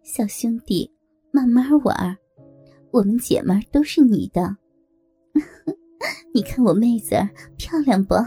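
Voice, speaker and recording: A woman's voice: a little high, lively intonation, a little slow, long pauses, dark tone, breathy edge, soft background music. A woman voicing a brazen, bossy older woman who teases, giggles and coaxes. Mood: flirty teasing. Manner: teasing, giggling, coaxing. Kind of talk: audio story reading.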